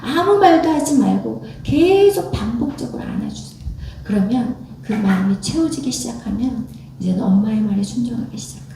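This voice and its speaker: A woman's voice: on the high side, lively intonation, moderate pace, creaky, warm tone, a little hiss or hum. A woman pastor preaching a sermon in a conversational, storytelling way, often quoting herself and her family. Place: church sanctuary. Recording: echoey church hall from far off.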